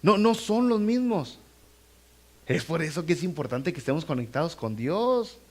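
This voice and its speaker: A male pastor preaching in a church sanctuary, his voice pitched a touch high for a man. He speaks conversationally and turns often to the congregation. He acts out the stories he tells with lively voices. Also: moderate pace. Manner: animated, acts out scenes and quoted voices; conversational, addresses the congregation directly. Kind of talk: sermon.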